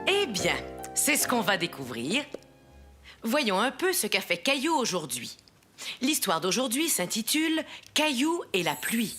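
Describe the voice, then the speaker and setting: A woman's voice: fairly high pitch, sing-song, measured pace, a bit bright, slightly rough, faint music behind, full character voice. A woman playing a kindly storyteller who narrates a children's cartoon tale. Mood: warm storytelling.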